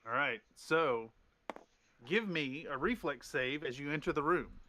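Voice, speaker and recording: A man serving as game master for a streamed tabletop game, voice a touch high and sharply bright. He rambles through rulings, restarting sentences and filling gaps with ums. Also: unhurried, slight background noise. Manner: rambling, many restarts and fillers.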